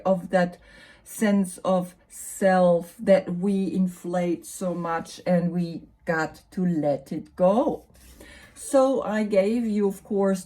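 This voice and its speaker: A woman with a German accent, explaining tarot cards in a relaxed, musing way, with lots of fillers and tag questions. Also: mid-range voice. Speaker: tarot reader and yoga teacher. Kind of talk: casual explanatory talk about tarot cards.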